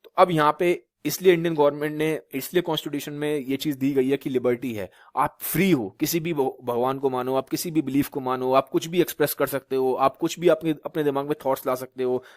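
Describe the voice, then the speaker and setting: A man's voice: on the high side, fairly even intonation, brisk, hardly any pauses, dry recording, studio quality. Man teaching with rhetorical questions. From Uttar Pradesh, India. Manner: repetitive rhetorical questions, frequent "theek hai" checks. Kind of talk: classroom lecture in Hindi mixed with English.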